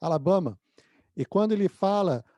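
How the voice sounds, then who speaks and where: A man's voice: sits high, animated, normal speed, dark tone, no room sound. A man hosting an interview, giving short friendly affirmations and asking follow-up questions. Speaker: interview host. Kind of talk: casual interview conversation.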